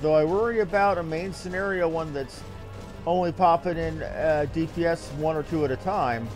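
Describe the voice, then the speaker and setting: A man's voice: fairly high pitch, normal speed, soft background music. A man giving casual, informal livestream commentary as he plays a game, with joking and some swearing. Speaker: game streamer.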